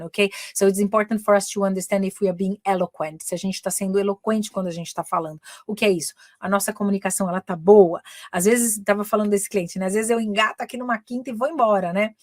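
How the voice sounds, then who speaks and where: A Brazilian woman who speaks Portuguese as her first language teaches English live, moving between the two languages in a chatty way. Her voice sits at a middle pitch, and the recording is close and dry with no room sound. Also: dry recording. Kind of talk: bilingual live online lesson.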